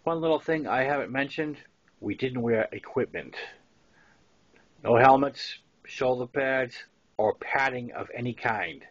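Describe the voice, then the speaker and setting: A man's voice: medium pitch, unhurried. Boston-accented older man reading, dull lo-fi sound. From Massachusetts, US. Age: 60s. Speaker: author reading his own novel. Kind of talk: narrated memoir reading with casual asides.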